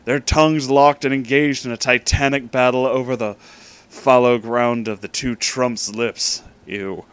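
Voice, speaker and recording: A man narrates a comic story in a mid-pitched voice. He tells it dramatically, leaving deliberate pauses and dropping in amused asides as he reads. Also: fairly even intonation, fairly bright tone, clear, resonant tone, no room sound. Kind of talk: reading a satirical story aloud with amused asides.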